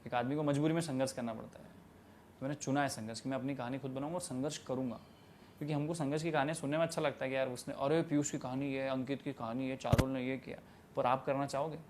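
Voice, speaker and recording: A man's voice: mid-range voice, fairly even intonation, quick pace, darkish tone, a little hiss or hum. A young man in his twenties giving emphatic, preachy interview answers about starting a tea stall business, dropping in English phrases. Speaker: guest, tea stall entrepreneur.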